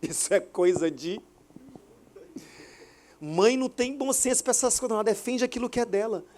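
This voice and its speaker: A man in his thirties preaching a sermon at a church service, animated, acting out quoted dialogue. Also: very high-pitched, moderate pace, slight background noise. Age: 30s. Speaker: pastor. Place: hotel auditorium church service.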